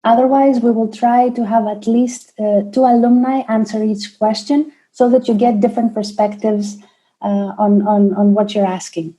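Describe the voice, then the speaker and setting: A woman with a Greek accent hosting an online panel webinar over a video call, speaking in a measured way with frequent fillers and restarts. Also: fairly high pitch, little pitch movement, dark tone, poor audio. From Greece. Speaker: webinar host, admissions manager.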